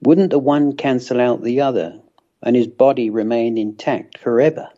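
A man's voice: medium pitch, steady tone, normal speed, warm tone. Man's dull lo-fi voice message. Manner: wry, joking question. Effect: played voice message. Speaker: listener sending a question. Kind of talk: recorded voice note.

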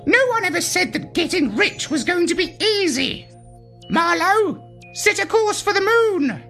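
Shrill, squawking bossy parrot. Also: male voice, very animated, measured pace, vocal fry, pushed and bright, in a large hall, soft background music, full character voice. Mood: commanding. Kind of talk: children's storybook character voice.

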